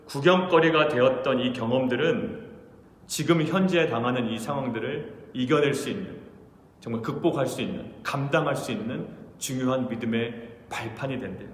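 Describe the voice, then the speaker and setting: A middle-aged man preaching an early-morning sermon as pastor, telling stories and acting out the voices of the people in them. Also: mid-range voice. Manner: storytelling, acting out quoted voices. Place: church sanctuary. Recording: echoey church hall with faint noise.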